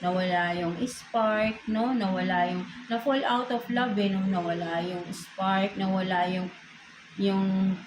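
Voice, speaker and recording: A woman's voice: mid-range voice, steady tone, takes it slowly, echoey room, noisy background. A woman with a Filipino accent giving a casual tarot reading, tagging nearly every phrase with a questioning "no?". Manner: mixes English into Filipino, ends phrases with a questioning "no?". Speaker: tarot reader.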